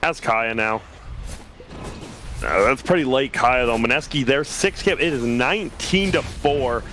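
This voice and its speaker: A man calling an esports match play-by-play, excitable and quick to react to the action. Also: mid-range voice, a little hiss or hum. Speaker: esports caster. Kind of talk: play-by-play commentary.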